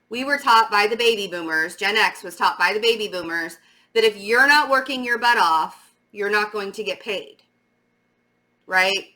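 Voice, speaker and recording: With a medium-pitched voice that's bright and forceful, a middle-aged woman delivers a spiritual tarot reading to viewers. She speaks casually and emphatically, haltingly, with a slight stammer and words repeated for stress.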